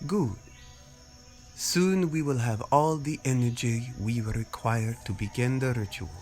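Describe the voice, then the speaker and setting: A man's voice: mid-range voice, unhurried, a little mellow, faint music behind, natural voice. A man voicing an imperious armored alien lord with a commanding, formal manner. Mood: pleased, scheming.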